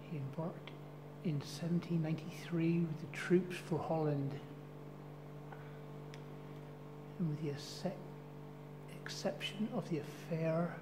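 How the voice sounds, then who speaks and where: The speech comes at a very slow pace over noticeable background noise. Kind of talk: casual vlog chat, reading an inscription aloud. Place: church. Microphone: phone near.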